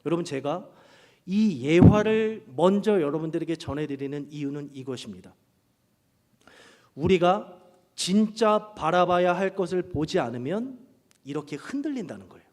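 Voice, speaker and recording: A man preaching a sermon to his congregation, telling personal stories with humor and lively animation. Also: a little high, normal speed. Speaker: pastor. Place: church sanctuary during a worship service. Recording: long reverb of a large hall.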